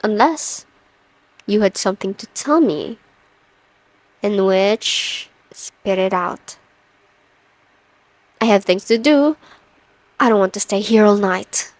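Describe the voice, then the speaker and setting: Brief: stern female CEO woman acting, overworked, dryly menacing, measured and commanding, unhurried delivery, close dry studio sound, for an audio roleplay. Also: mid-range voice, no echo, lightly acted, rough recording. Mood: weary, businesslike.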